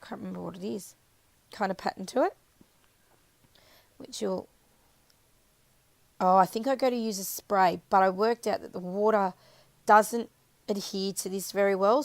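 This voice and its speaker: A woman with a croaky, scratchy voice chatting casually through a crafting voiceover, rambling and correcting herself as she goes. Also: medium pitch, fairly even intonation, normal speed, long pauses, no room sound. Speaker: craft video maker. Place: voiceover recorded apart from the footage.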